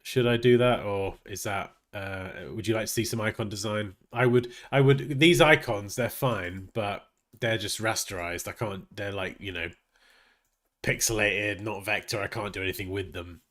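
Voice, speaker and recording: This graphic design streamer talks casually while working live, chatting and reasoning aloud. His voice sits on the low side, a bit bright, at a moderate pace, and it sounds sniffly and nasal from congestion.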